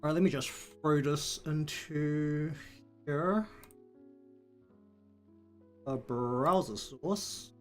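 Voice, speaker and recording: A man's voice: fairly high pitch, drawn-out words, pauses often. A man with a broad New Zealand accent chatting casually on a livestream, rambling and thinking aloud as he works. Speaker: live streamer. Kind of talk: casual livestream chat while working. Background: background music.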